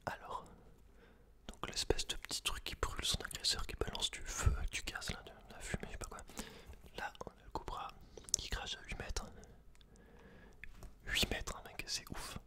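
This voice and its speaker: In an unvoiced, breathy whisper, a male ASMR host reads aloud and slips in informal, slang-filled asides aimed at the listener. His speed is normal, broken up by long pauses.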